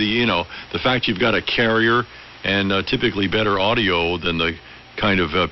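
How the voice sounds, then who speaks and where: A man's voice: sits low, highs cut off. A man chatting unscripted as an amateur radio operator, musing and discursive, feeling his way through sentences. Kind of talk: unscripted ham radio conversation. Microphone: radio transmitter audio heard over the air. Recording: hissy, band-limited AM radio transmission.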